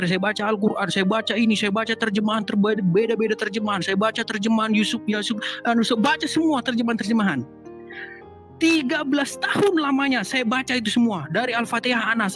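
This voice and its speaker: A man's voice: high voice, a bit bright. A man hosting a heated religious debate, insistent and repetitive, sometimes exasperated. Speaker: channel host debating a caller.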